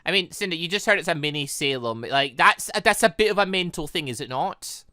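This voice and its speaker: Animated, bright-voiced man doing gaming commentary. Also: a little high, fairly quick, no room sound, studio quality. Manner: rambling, thinking aloud, stumbling over read lines. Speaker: gaming channel host. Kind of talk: let's play commentary, reading dialogue aloud.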